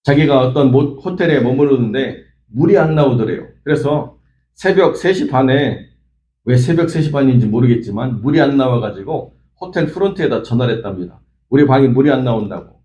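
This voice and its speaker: A man's voice: mid-range voice, lively intonation, normal speed, dark tone, roomy sound, lo-fi sound. A man preaching an early-morning sermon as pastor, telling a story in an earnest way with frequent small fillers. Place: church sanctuary.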